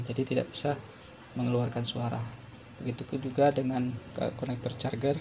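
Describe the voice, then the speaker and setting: A man talks through a practical repair in a halting, step-by-step way. His mid-pitched voice is creaky and stays very even in tone. There is faint noise behind him as he speaks. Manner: halting, step-by-step explaining with frequent repetition. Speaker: phone repair tutorial presenter. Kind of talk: unscripted hands-on repair tutorial.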